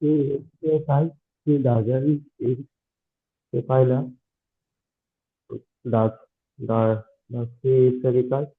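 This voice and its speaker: A man, an adult student, reciting English drill sentences slowly and haltingly. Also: mid-range voice, fairly even intonation. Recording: tinny phone-like line.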